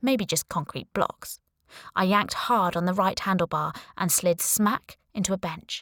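At a moderate pace, a woman with an unremarkable speaking voice talks at medium pitch with ordinary pitch variation, her sound dry and close with no echo, on a very clean recording with a silent background. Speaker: audiobook narrator. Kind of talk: literary audiobook reading, first-person thriller narration. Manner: wry, teen-voiced first-person storyteller; shifts between tense action pacing and comic asides.

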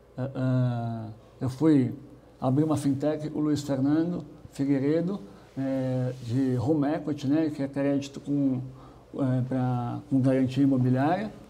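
The voice has a dark, mellow tone and fairly even intonation, moving at a very slow pace amid audible room echo. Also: man, medium pitch for a man. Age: 50s. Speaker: advertising executive. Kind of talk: casual interview.

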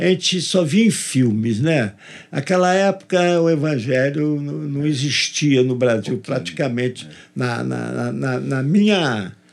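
A man with an ordinary speaking voice talks at a fairly slow pace, with lively intonation and a medium pitch. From Rio de Janeiro, Brazil. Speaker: church deacon. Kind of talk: casual interview chat.

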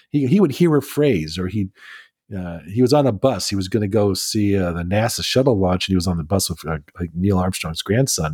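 A man with an ordinary speaking voice, fairly low in pitch, at a fairly quick pace with lively intonation, in a dry, close sound with no echo and a very clean recording over a silent background. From US Midwest, Waterloo, Iowa. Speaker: author. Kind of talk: casual interview conversation.

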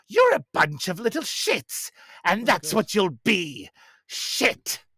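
A man in a put-on character voice with a high pitch. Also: fairly slow pace. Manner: crude, taunting.

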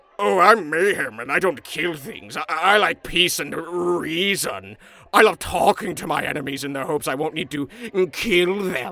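A man puts on a character voice pitched high for a man. His loudness swings widely. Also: moderate pace. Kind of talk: sarcastic, exaggerated mockery. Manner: mocking.

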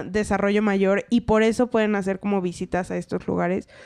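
A woman speaks with a Mexican accent. Her intonation stays fairly even. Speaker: podcast co-host. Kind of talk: casual chat.

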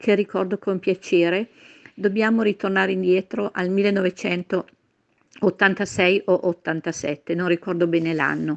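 In a dry, close recording with no echo and a quiet background, a woman talks at a very slow pace, her medium-pitched voice keeping a fairly even intonation. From Piedmont, Italy. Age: 50s. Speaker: public administration employee and amateur singer. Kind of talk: casual interview answers.

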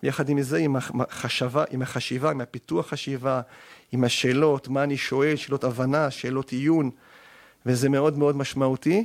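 Fairly high in pitch, a man has an ordinary speaking voice and talks at a moderate pace with fairly even intonation. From central Israel (Kochav Yair). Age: 40s. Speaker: religious school principal, rabbi. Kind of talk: podcast interview.

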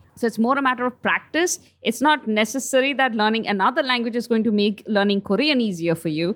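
Fairly high-pitched and with a Bengali accent, a woman speaks at a very fast pace, her lively intonation paired with very even loudness. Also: hardly any pauses. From India, Bengali. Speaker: podcast co-host. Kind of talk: casual chat.

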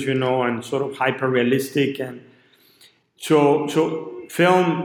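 Audible room echo colors a man's voice as he speaks at a fairly slow pace. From Mexico. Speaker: architect. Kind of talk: interview. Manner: halting.

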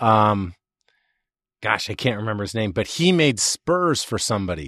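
Over a silent background in a very clean recording, a man with a Chicago accent speaks at a moderate pace. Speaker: podcast host, former floor trader. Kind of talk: interview.

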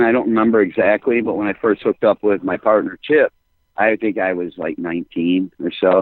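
A man with a medium-pitched voice, a moderate pace and a Chicago accent. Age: 50s. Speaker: musician. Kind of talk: casual interview chat.

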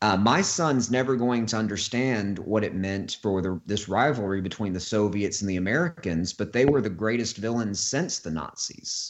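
A man talks in an Alabama accent with a fairly low pitch. He leaves hardly any pauses. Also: ordinary pitch variation, moderate pace. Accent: Southern US (Alabama). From Alabama, US South. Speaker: author and comic publisher. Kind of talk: casual chat. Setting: phone call.

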